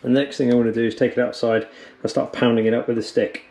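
A man's voice: mid-range voice, level tone, fast talker, vocal fry, heavy background noise. A man in his thirties giving an upbeat, practical outdoor how-to lesson as a bushcraft instructor, speaking on an action camera in the woods and a cabin. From England. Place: woodland camp and wooden cabin.

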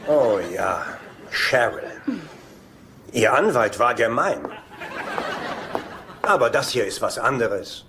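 Childishly stubborn old romantic, cheerful, oblivious, lively intonation, TV comedy dub. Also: male voice, mid-range voice, takes it slowly, long pauses. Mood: stubbornly happy. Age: older. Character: besotted, childishly stubborn, deluded older father. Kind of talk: German sitcom dubbing. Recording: noisy TV soundtrack with ambience.

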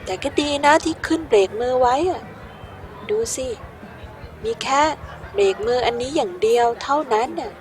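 A woman dubbing a curious, cheeky rebellious teenage girl in a game, with lively casual exclamations. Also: a little high, normal speed, a faint crowd, a little hiss or hum, natural voice.

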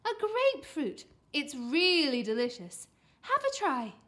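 Woman voicing doting storybook mother, coaxing, eager, exclamatory, very animated, bright tone. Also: sits high, unhurried, voice pushed up, full character voice. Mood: excited. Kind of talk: children's storybook character voice.

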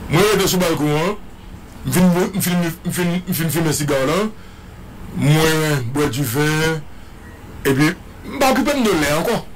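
A man's voice: fairly high pitch, animated, moderate pace, a little hiss or hum. A man with a Haitian French accent giving a dramatic, repetitive eyewitness account, imitating the sounds he heard. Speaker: guest commentator.

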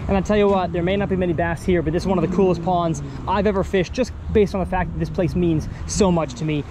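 This fishing vlogger from Texas talks fast in a high-pitched voice with fairly even intonation. He chats casually and upbeat by an outdoor pond, thinking aloud while fishing, and faint ambient noise runs through the recording.

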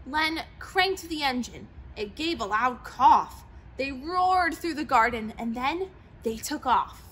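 A young woman reading a rhyming picture book aloud with an expressive, sing-song delivery, seated in an old plane in a large museum hangar. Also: sits high, slow pace, breathy edge. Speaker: storyteller.

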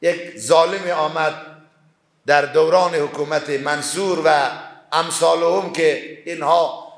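A man with an Afghan Dari accent delivering a Friday prayer sermon in a large hall, shifting into a soft, mournful tone for a story of grief. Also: a little high, fairly even intonation, vocal fry. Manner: emotional, slows and drops to a soft mournful tone.

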